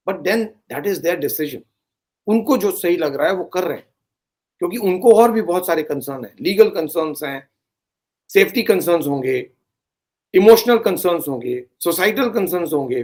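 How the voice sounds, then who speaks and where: A man giving earnest, pleading commentary to his audience, slipping English phrases into his talk. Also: sits high. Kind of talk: earnest direct-to-camera commentary.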